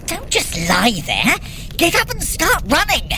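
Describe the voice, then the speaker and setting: A woman's voice: high-pitched, wildly swooping pitch, a little slow, heavy background noise, heavily acted. A woman playing a smug, boastful trickster sorcerer who coaches a runner in an audio drama, theatrical and wry, taunting mortals. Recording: loud music under the voice. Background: music.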